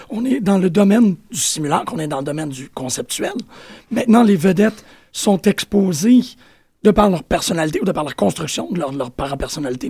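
High-voiced, raspy male panelist, dry close sound. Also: a little mellow, no room sound. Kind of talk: panel discussion.

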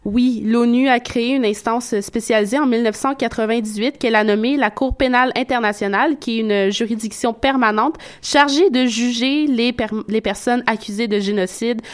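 A woman's voice: fairly high pitch, steady tone, normal speed, hardly any pauses. A woman giving a radio segment, explaining facts step by step in a conversational way. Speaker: radio columnist.

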